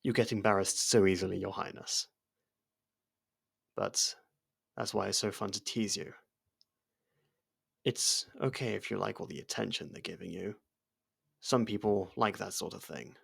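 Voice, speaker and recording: A man voices a devoted castle servant in a fantasy ASMR drama. His voice is low with a heavy gravelly fry, and he takes his time, speaking as a deferential but familiar friend who gently teases. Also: exaggerated voice. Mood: teasing. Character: loyal personal servant and dearest friend of royalty, gently teasing. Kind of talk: ASMR roleplay audio drama.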